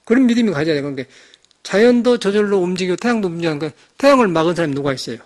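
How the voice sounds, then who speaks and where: Fast-talking high-voiced monk. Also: male voice, expressive. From Jeolla, South Korea. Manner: rambling, emphatic, conversational. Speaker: Buddhist monk. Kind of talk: dharma talk sermon.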